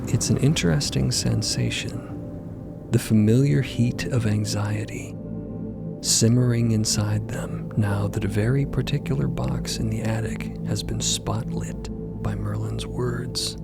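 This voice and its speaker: Slow, low male narrator over loud music. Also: fairly even intonation, vocal fry. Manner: hushed, deliberate, suspenseful. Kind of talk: scripted dramatic narration.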